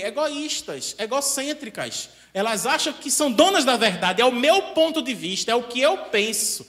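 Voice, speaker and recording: A man with a Brazilian accent delivers a spiritist lecture in a chatty style and keeps checking in with the audience. His voice is high, bright and very lively. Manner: animated, conversational, asks the audience often.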